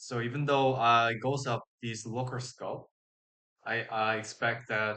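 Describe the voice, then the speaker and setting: A man speaks at a very slow pace. His pitch is medium and his intonation monotone and flat. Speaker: programmer streaming a coding challenge. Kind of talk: coding tutorial. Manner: halting. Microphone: laptop webcam mic.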